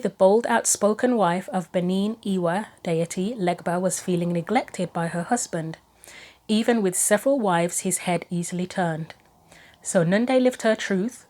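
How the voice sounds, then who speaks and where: Woman reading tarot, voice going hoarse. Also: on the low side, a little mellow. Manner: musing, chatty, reads guidebook passages aloud. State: losing her voice, throat going. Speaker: tarot reader. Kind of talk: solo tarot reading for viewers.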